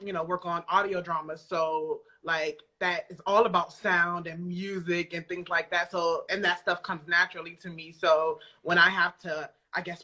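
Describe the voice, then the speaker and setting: A woman speaking as an interview guest on a remote call, informal and reflective, often halting as she works out her answers. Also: on the low side, sharp tone. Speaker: guest, audio drama creator. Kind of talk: casual interview chat. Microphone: remote video call.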